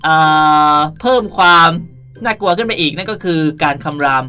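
A young man hosting a casual gameplay tutorial in a playful, animated way with cutesy polite sentence endings. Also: high-pitched, normal speed. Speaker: gaming video host. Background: background music.

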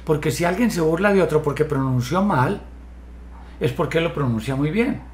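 A man's voice: fairly high pitch, expressive, normal speed. A man in his sixties leading an online hypnotherapy session from his home study, asking pointed questions and lecturing in a direct, questioning way. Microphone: video call. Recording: roomy video call audio.

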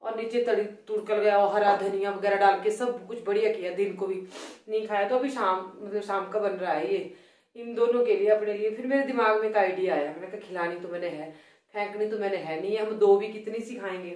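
A middle-aged woman with a Himachali Hindi accent, chatting loudly and complaining a little as she cooks in her home kitchen for her vlog. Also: mid-range voice, fairly even intonation, brisk. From Himachal Pradesh, India. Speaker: cooking vlogger. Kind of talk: casual cooking vlog chat. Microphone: phone placed away from her. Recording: roomy phone audio from a distance.

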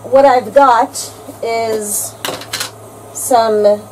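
Woman cooking in an rv kitchen, walks thru every step, a bit high voice, faint hiss from the camera mic. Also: fairly even intonation, drawn-out words, darkish tone, low-quality recording. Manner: explains each step plainly. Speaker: home cook. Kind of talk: casual cooking demo. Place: motor home kitchen. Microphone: camera mic from across the room.

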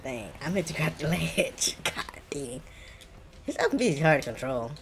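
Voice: medium pitch, sing-song, brisk, vocal fry, background noise. A gaming streamer with an African American accent, giving casual, colloquial gameplay commentary and reacting as they play. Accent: African American English.

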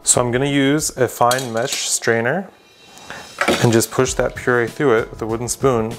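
A young man hosting a home cooking demonstration in his kitchen, talking straight to the viewer with deadpan joking asides. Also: medium pitch, normal speed, heavy background noise. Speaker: cooking show host.

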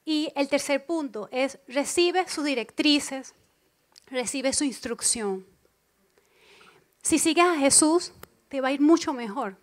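Woman preaching at church, high bright voice, keeps repeating lines for emphasis, acts out little voices. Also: takes it slowly, long pauses. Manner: emphatic, repeats key phrases; expressive, acts out inner voices. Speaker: church speaker. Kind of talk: evening church sermon. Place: church congregation.

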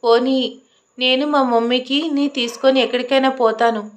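A woman plays a defiant young heroine in a storybook romance, indignant and argumentative, firing back questions. The voice sits somewhat high and keeps her combative edge. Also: steady tone, moderate pace, close to an everyday voice. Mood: indignant, angry.

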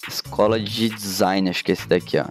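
A man's voice: on the low side, steady tone, brisk, faint music behind. A man in his thirties with a gaúcho Brazilian accent, chatting casually and slangily on a live stream while he draws. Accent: gaúcho Brazilian Portuguese. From Rio Grande do Sul, Brazil. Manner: slangy and laid-back, constant filler tags. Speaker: graphic designer and streamer. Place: home studio room indoors. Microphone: headset.

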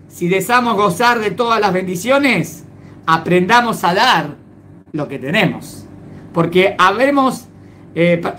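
A woman's voice: mid-range voice, a bit bright, a little hiss or hum. A woman telling a moral folk tale in a casual way, laughing and restarting as she goes. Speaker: storyteller. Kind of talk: casual oral storytelling with a moral.

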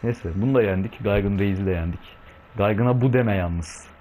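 A man's voice: on the low side, brisk, dark tone, a little hiss or hum. A young man giving casual let's-play commentary at home, slangy and bantering with the game's monsters and his cat. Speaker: gaming video host.

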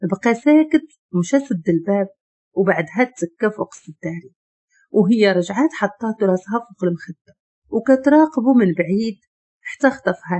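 A woman tells a romance story with a Moroccan Arabic accent. Her voice is mellow and slightly husky, and her delivery stays steady and even from line to line. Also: mid-range voice, highs cut off.

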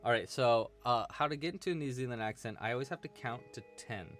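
Talking fast in a mid-range, slightly bright voice, this young man runs a crochet lesson live from a small indoor room at home. He keeps things playful and chatty, reading viewers' messages out loud and laughing while he stitches.

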